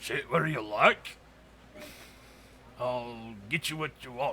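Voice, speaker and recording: A man uses a raspy, put-on character voice at a very slow pace. Clear background noise runs behind him. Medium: actual play. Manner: gruff, blunt.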